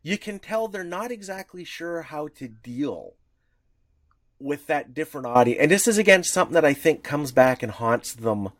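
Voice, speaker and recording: A man's voice: fairly high pitch, lively intonation, normal speed. A man co-hosting a podcast, explaining comics history in a rambling, enthusiastic way with many restarts. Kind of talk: casual podcast chat.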